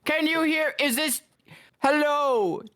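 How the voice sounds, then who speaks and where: Woman as a high-pitched, awkward, chatty seller. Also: takes it slowly, fairly bright tone. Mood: chirpy, fussing. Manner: hesitant, rambling, casual. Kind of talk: improvised comedy fandub acting.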